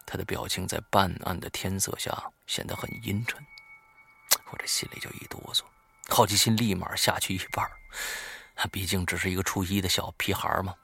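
A man in his thirties narrates a first-person ghost story and slips into a whisper whenever the tension rises. His voice is low with a gravelly creak. Faint hiss runs under the recording. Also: steady tone, brisk, bright, forceful tone. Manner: drops to a whisper at tense moments.

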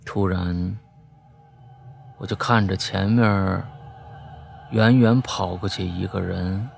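A man narrating a spooky story, lively, breaking off for offhand asides. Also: deep voice, slow, creaky, faint music behind.

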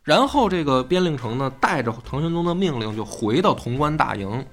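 A man telling a history story in a colloquial, animated way, acting out the characters as he goes. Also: fairly high pitch, brisk. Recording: faint background music.

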